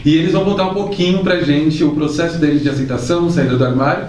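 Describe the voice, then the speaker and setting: A man hosts his channel, opening the video with a relaxed, grateful introduction. His voice sits a little high for a man, and he hesitates now and then. The mic sits some distance away in a reverberant room. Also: fast, a little hiss or hum. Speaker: host. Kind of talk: casual introduction. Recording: roomy sound from a distance.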